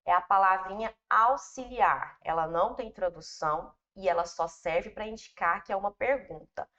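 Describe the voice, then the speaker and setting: A woman's voice: medium pitch, moderate pace, fairly bright tone. A woman teacher with a Brazilian Portuguese accent, giving a patient, step-by-step grammar lesson and speaking informally to her students. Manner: addresses students informally, explains patiently with repetition. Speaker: English teacher. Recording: dull, lo-fi recording.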